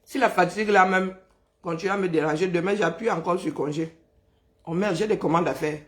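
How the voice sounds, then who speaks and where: A Cameroonian woman with a hoarse, broken voice, chatting casually on a live stream and greeting viewers by name, exhausted, teasing, humming and sighing between remarks. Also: fairly low pitch. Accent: Cameroonian French. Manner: chatty, teasing, drawn-out sighs and hums. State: hoarse, worn-out voice.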